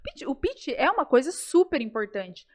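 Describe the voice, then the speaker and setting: A Brazilian woman speaking as a guest in a casual podcast interview, animated and playful, often addressing the audience directly. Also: high voice, moderate pace. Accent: Brazilian Portuguese.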